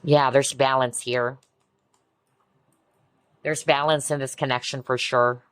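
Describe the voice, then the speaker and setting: A woman giving a collective tarot reading in a soft, reassuring way, often breaking into amazed exclamations. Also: a bass voice, fairly even intonation, slow, dry recording. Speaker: tarot reader. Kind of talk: pick-a-card tarot reading.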